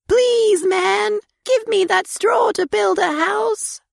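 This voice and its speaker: A woman voicing a small male pig with a high, squeaky and bold voice. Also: fairly even intonation, takes it slowly, creaky, no room sound, studio quality, exaggerated voice. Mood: defiant.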